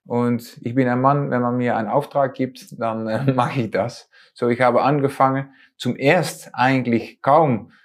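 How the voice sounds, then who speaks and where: A man in his forties from the Netherlands speaking German with a Dutch accent, pausing often with fillers and small grammar slips as an interview guest. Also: mid-range voice, steady tone. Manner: hesitant with many fillers and non-native grammar slips. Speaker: osteopath and lecturer. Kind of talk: conversational interview.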